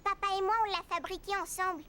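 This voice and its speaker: A performer voicing a curious, cheerful four-year-old boy in a children's cartoon, with an eager, expressive childlike manner. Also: very high voice, fast talker.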